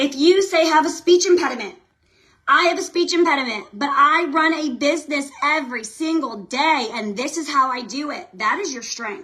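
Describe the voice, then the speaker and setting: A woman's raised, projected voice, high in pitch, animated in tone, with lively intonation, big swings in loudness, and a moderate pace. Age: 30s. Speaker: network marketing team leader. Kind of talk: live social media coaching stream. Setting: livestream.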